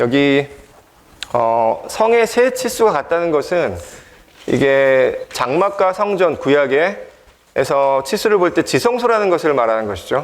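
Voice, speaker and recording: Over noticeable background noise, a man speaks very slowly in a high pitch with very wide pitch swings and very even loudness. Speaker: Bible seminar teacher. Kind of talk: Bible study lecture with outline reading.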